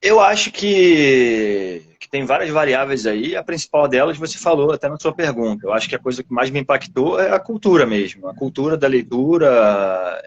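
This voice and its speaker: Interviewed as an author, this Brazilian Portuguese-accented man rambles casually through his own experiences, pausing and reflecting as he goes. His mid-range voice is animated, while the recording has its highs cut off.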